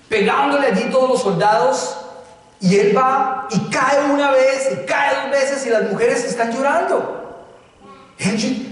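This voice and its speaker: A man preaching a sermon, driving his points home with emphatic rhetorical questions. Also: extremely high pitch. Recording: distant mic, echoey hall.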